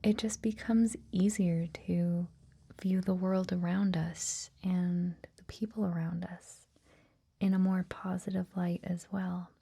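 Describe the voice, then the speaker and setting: A woman whispering softly in a gentle, reassuring ASMR style, as if hosting a guided meditation. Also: fairly low pitch, little pitch movement. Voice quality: breathy, whispered, soft. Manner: gentle, slow, hushed, reassuring. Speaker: host of a guided meditation series.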